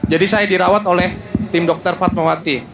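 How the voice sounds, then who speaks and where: A man's voice: high-pitched, steady tone, gravelly, noisy background. Earnest young man giving testimony. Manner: earnest, halting with fillers. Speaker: testifier, pastor's son. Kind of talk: personal testimony. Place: stadium.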